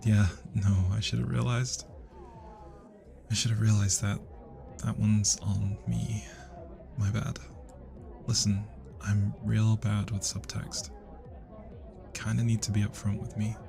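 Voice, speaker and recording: A young man with a British accent playing a shy, flustered, sweet guy at a party in an intimate ASMR roleplay, speaking softly and hesitantly. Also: on the low side, level tone, slow pace, creaky, long pauses, over music. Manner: hesitant, bashful, soft-spoken.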